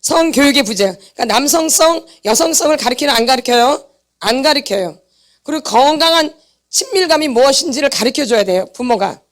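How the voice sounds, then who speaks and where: Preaching at a healing seminar in a church hall, a pastor's wife speaks a little fast in a high voice with lively intonation. She repeats her points forcefully and fires short questions at the congregation, answering them herself.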